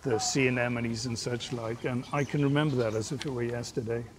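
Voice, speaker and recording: A man's voice: mid-range voice, fairly quick, a little hiss or hum. An older man from Wales, an aquarium director, telling stories in an outdoor TV interview on a lapel mic. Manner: articulate, relaxed storytelling.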